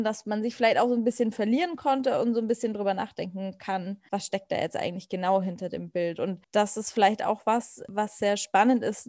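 A woman's voice: mid-range voice, darkish tone, no room sound. Dry-sounding woman podcast co-host. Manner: thoughtful, easygoing, with fillers. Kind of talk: casual podcast chat.

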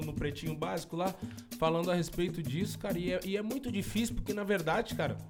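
Male podcast co-host, southern Brazilian accent, high-pitched, animated storyteller. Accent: Rio Grande do Sul Portuguese. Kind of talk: casual storytelling chat.

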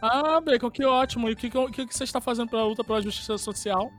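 Podcast co-host, Brazilian man, thirties, pitched high, excitable swearing banter. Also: rapid-fire, soft background music. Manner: profane, joking, excitable. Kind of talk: casual chat.

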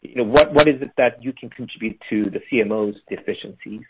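A man's voice: lowish voice, fast talker, lo-fi sound. Male analyst on a noisy call. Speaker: financial analyst asking questions. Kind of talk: earnings call question. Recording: noisy phone-in call with clicks.

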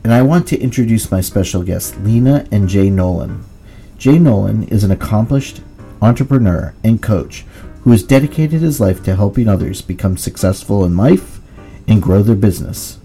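A man's voice: on the low side, lively intonation, moderate pace, warm tone, faint music behind. A man hosting an interview show, formally reading out the guest introductions before asking his questions. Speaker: host.

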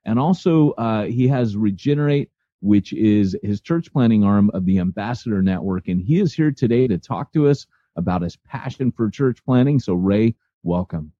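A man's voice: on the low side, animated, normal speed, mellow, no echo, dull audio. A man co-hosting a podcast and introducing a guest in a playful, teasing way. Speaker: podcast co-host, interviewer. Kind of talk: casual podcast interview.

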